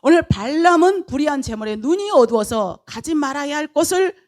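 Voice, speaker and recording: Brief: woman pastor, high voice, animated storytelling sermon. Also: fairly quick. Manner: animated storytelling, acting out scenes.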